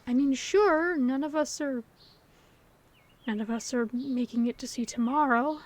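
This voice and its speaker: A woman acting a gentle, hopeful best friend in an audio roleplay, talking to the listener in an earnest, reassuring, conversational way. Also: sits high, a little slow. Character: gentle, hopeful female best friend comforting her secret crush. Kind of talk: scripted audio roleplay, intimate one-sided dialogue to the listener.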